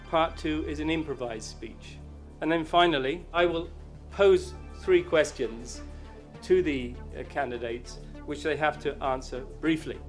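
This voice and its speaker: Fairly high-voiced man speaking formally as a competition question master. He leans on key phrases and takes his time with them. Soft music plays underneath. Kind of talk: formal announcing to an audience.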